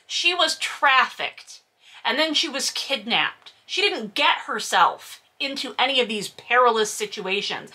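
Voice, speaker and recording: A woman's voice: fairly high pitch, pushed and bright. A woman hosting a book read-aloud, breaking into casual, sarcastic and emphatic commentary with some swearing. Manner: sardonic, incredulous, emphatic.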